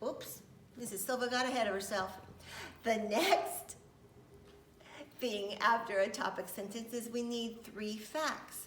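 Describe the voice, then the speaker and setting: A woman speaks at a fairly slow pace with ordinary pitch variation and long, frequent pauses. Noticeable background noise and audible room echo are present. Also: fairly high pitch for a woman. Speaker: teacher. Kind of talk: lesson for young children. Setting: filmed lesson. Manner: slow, deliberate.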